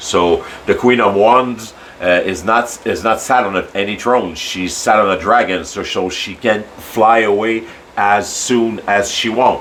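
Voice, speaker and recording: A man's fairly low voice at a fairly slow pace, with fairly even intonation, audible room echo and noticeable background noise. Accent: Quebec French. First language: French. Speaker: tarot reader. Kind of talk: tarot reading. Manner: halting.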